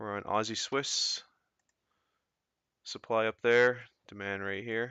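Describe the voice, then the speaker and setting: At a medium pitch, a man speaks in a monotone, flat intonation. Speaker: forex trading educator. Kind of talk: screen-share tutorial. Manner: fast; casual, hesitant fillers.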